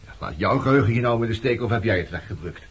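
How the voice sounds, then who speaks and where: A man's voice: lowish voice, expressive, quick pace, husky. An actor playing a blunt, reproachful man questioning his former lover in a Dutch radio play. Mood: insistent. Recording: muffled, noisy old radio recording.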